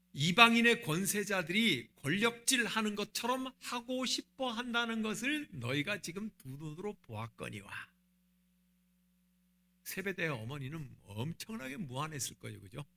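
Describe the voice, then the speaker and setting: A man's voice: high voice, sharp tone. A man, the senior pastor, preaching a sermon and asking the congregation rhetorical questions.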